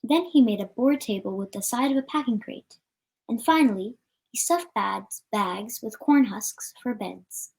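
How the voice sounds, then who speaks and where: A woman reading a storybook aloud in a plain, somewhat halting manner. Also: on the high side, animated, creaky, darkish tone. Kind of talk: read-aloud storybook narration.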